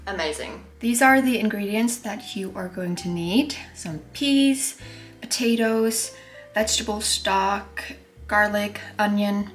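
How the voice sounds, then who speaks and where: A woman's voice: fairly high pitch, echoey room. Chatty young woman from Iceland. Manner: chatty, enthusiastic, frequent "like" and "honestly". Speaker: lifestyle vlogger. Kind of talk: casual cooking vlog chat. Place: small home kitchen, indoors.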